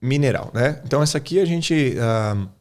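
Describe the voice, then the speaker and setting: On a podcast, an English teacher from Brazil lays out his method informally and keeps confirming that the listener is following, using "tá?" and "cara." His mid-range voice is darkish, with lively intonation, at a normal speed.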